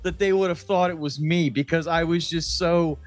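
A man with a slightly high voice chats casually as a comedy podcast co-host. He tells crude anecdotes in an animated, sweary manner. Faint music plays behind him. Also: normal speed. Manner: profane, animated anecdote telling. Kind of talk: casual comic storytelling chat.

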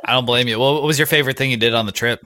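Bright-voiced man host, dry sound. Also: medium pitch, racing, no room sound. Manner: friendly, joking questions. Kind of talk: casual interview chat.

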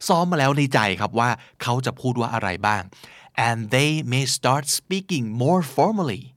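A man's voice: mid-range voice, slow pace, dry recording, clean studio sound. A man hosting a podcast, explaining words in a casual way and acting out playful examples. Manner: lively, teaching English words with playful acted examples. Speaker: podcast host.

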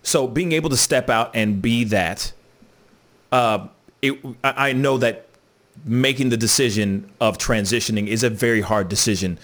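A man's voice: medium pitch, normal speed, fairly bright tone. A man hosting a casual talk, laid-back, often saying "you know what I'm saying". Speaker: host. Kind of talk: casual conversation.

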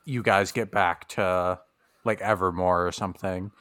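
A man's voice: sits low, fairly even intonation, unhurried, fairly bright tone, smooth. A man chatting casually on a podcast as the game master, rambling with lots of fillers. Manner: rambling, filler-heavy, laughs often.

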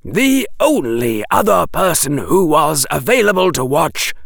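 A severe, exacting wizard professor, as a male reader puts him on. His voice sits well above the narrator's and comes out firm and crisp, measured and slow, with a creak at the edges. Dry, close recording. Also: on the high side, very animated, a bit bright, no room sound, pitched above the performer's own voice, exaggerated voice. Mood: crisp lecturing. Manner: crisp, disapproving, deliberate.

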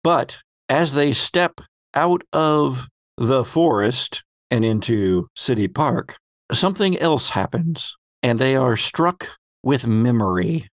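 A man hosting a tabletop game podcast as game master, narrating the story in a measured, dramatic way. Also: mid-range voice, expressive, no room sound, clean studio sound.

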